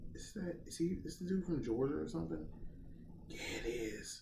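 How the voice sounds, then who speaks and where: Someone whispers at a moderate pace, with audible room echo around the voice. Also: man. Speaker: podcast host. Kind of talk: casual solo commentary. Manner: casual, halting with fillers.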